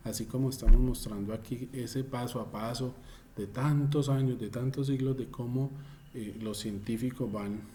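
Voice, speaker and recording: Man teaching an online class, mellow. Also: mid-range voice, slight background noise. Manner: repeats and restates points, addresses students by name.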